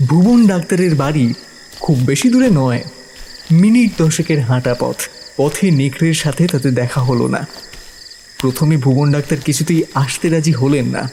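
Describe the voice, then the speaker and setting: A man's voice: a little high, moderate pace, slight background noise. A man narrating a village ghost story in a dramatic scripted style. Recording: narration over loud music. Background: music with crickets.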